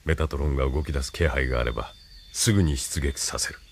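An actor playing a stern, cold military colonel who gives orders in a measured, commanding tone in an anime radio drama. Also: male voice, rumbling low.

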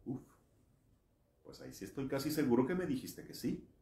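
A man in his thirties with a Mexican accent, a priest giving a motivational religious talk with animated, emphatic storytelling and rhetorical questions. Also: medium pitch, fast. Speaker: Catholic priest. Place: small indoor room. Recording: echoey room.

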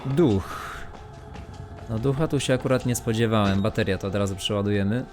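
A man's voice: lowish voice, normal speed, over music. A man commentating live on a horror game he is playing, muttering and swearing to himself and his viewers. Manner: muttering, swearing, self-talk. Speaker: streamer. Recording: noisy game stream audio.

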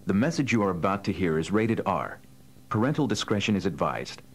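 A man's voice: deep voice, very animated, a little fast. A man playing a solemn, mysterious announcer, grave and dramatic, in parody narration. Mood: official.

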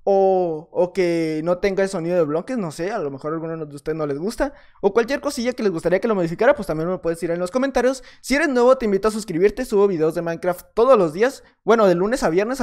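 A young man with a Mexican accent, commenting on his own gameplay in an excitable, chatty way and trash-talking opponents. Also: sits high. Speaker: gaming YouTuber.

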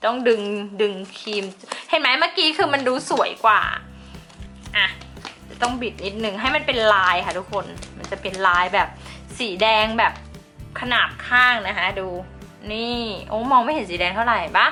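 A woman's voice: a little high, moderate pace, bright, forceful tone, soft background music. A woman hosting a casual chat vlog in a chatty, giggly, playful way. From Thailand. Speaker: slime channel host.

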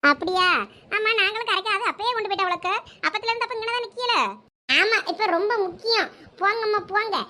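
A woman's voice: extremely high pitch, quick pace, sharp tone. A woman with a Thoothukudi Tamil accent acting out gossipy, scolding village women in a comedy sketch.

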